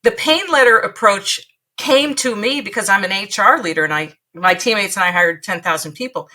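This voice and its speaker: A woman's voice: medium pitch, moderate pace, pushed and bright. A woman guest on an interview podcast giving career advice in an emphatic, punchy way, repeating points for effect.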